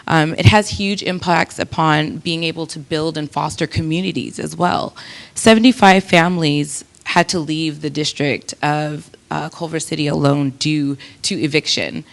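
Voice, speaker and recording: Low-voiced earnest woman panelist. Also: vocal fry. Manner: earnest, with frequent fillers and restarts. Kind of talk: panel discussion remarks.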